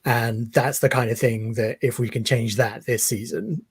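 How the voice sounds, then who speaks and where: A man talking football as a guest on a video call interview, measured and thoughtful with many pauses. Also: medium pitch, fairly even intonation, husky, dry recording. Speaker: guest, football fan page creator. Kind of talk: casual interview chat.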